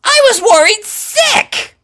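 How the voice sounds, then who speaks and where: A man's voice: extremely high pitch, very animated, takes it slowly, bright, forceful tone, voice pushed up, heavily acted. A man voicing a brash, hot-tempered young female pegasus pony in a cartoon fan story, frantic and exclamatory. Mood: angry.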